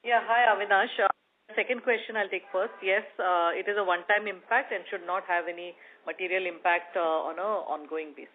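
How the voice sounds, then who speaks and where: A woman's voice: medium pitch, steady tone, a little fast, slight background noise. Phone-line female company executive. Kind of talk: earnings call presentation. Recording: narrow tinny phone conference line.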